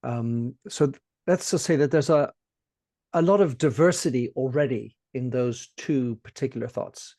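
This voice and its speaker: A man's voice: mid-range voice, normal speed, dark tone, dry recording, clean studio sound. A man hosting a podcast interview in a conversational way, with frequent restarts and repetitions. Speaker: podcast host. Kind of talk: casual interview talk.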